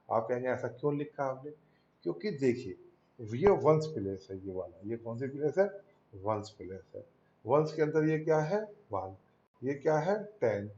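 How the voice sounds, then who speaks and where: A male school maths teacher gives a patient lesson, asking and answering his own questions, calling his students "beta," and using Indian English number words. His voice is medium-pitched and dark, captured in a roomy, dull lo-fi classroom recording.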